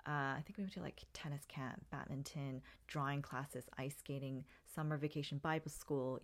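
A woman in her thirties hosting a solo podcast, telling her own story in a reflective way, with many ums and restarts. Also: low voice. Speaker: podcast host.

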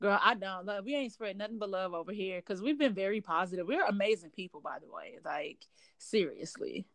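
A woman with an African American accent from St. Louis chats as a podcast co-host. Her pitch is average and the sound is dry. She is blunt, slangy and free with swearing. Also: animated, brisk, a bit bright, no echo. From St. Louis, Missouri, US. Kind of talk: casual podcast chat.

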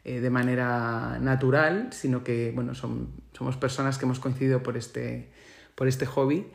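A man from Spain with a Spain Spanish accent, speaking alone in a reflective, unscripted monologue. His voice sits at an ordinary middle pitch, and he talks thoughtfully, pausing to search for the right word. He sounds like a podcaster musing on his own experiences. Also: little pitch movement, creaky.

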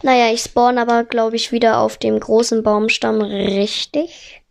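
A woman on a headset mic giving excitable let's play commentary, narrating every move and swearing when she fails. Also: fairly high pitch, a little slow, creaky. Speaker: gamer.

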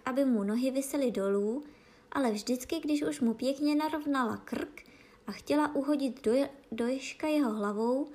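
A woman narrating a children's storybook in a calm, even manner. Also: sits high.

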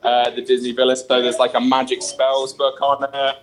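A man's voice: medium pitch, completely flat delivery, moderate pace, background noise. A man reporting on location over a phone video call, his audio breaking up as the connection drops. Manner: chatty and upbeat, with fillers. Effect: choppy, breaking-up video call audio. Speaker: on-location correspondent. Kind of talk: casual chat over a live video call.

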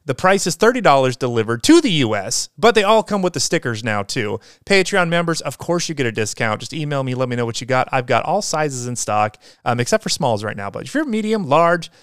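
Upbeat rambling man with a smooth voice. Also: mid-range voice, very animated, fairly quick, few pauses, a bit bright, no room sound, studio quality. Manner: rambling, upbeat, many fillers and restarts. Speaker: podcast host. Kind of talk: casual solo podcast chat.

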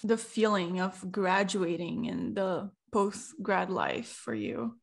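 Woman, twenties, podcast host, quick chatty talk, tired. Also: medium pitch, sing-song, vocal fry. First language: Portuguese. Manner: quick, chatty, laughs while talking. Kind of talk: casual podcast intro.

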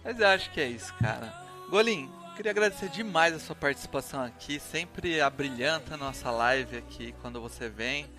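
A man's voice: mid-range voice, expressive, fairly quick, hardly any pauses. A Brazilian man hosting a casual live sports show. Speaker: host. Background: music.

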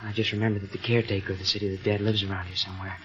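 An actor playing a protective, polite young boyfriend in an old-time radio drama, earnest and urgent. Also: male voice, low-pitched, little pitch movement, rapid-fire, fairly bright tone. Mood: watchful. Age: young adult. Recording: dull vintage radio recording, music behind.

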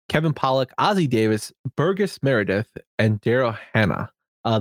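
A man co-hosting a podcast, reading out film credits and then chatting about movies in a relaxed way. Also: mid-range voice, dry recording, studio quality. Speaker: podcast co-host. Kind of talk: casual movie chat.

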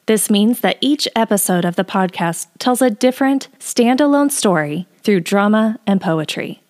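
A woman's voice: mid-range voice, lively intonation, moderate pace, a little mellow. A woman presenting a podcast, reading a scripted introduction in a formal announcing manner.

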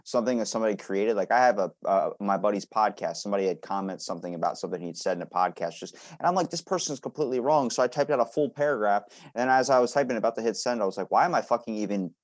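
A man's voice: fairly low pitch, expressive, very fast, few pauses. A man hosting a podcast, chatting casually and bluntly with loose, sweary, conversational delivery. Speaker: podcast host.

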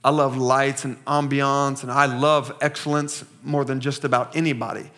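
Male pastor, 30s, mid pitch, deliberate sermon delivery with call-and-response. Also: level tone, a bit bright. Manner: slow, emphatic reading with congregation call-and-response.

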